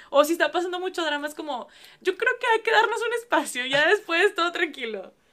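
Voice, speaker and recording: A woman speaks in a raised, projected voice with a bright, sharp tone, an extremely high pitch and very wide pitch swings, moving at a fairly quick pace. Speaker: student podcast host. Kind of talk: casual chat.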